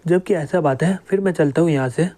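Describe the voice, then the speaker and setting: A man's voice: fairly high pitch, fairly quick, dark tone, close to an everyday voice. A man doing a cowardly pleading young boss. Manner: pleading, fearful.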